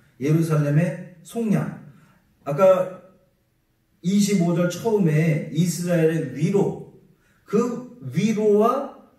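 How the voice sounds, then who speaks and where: Amid audible room echo, a man talks in a high voice with lively intonation. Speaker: pastor. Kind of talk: bible study lecture. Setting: recorded online broadcast.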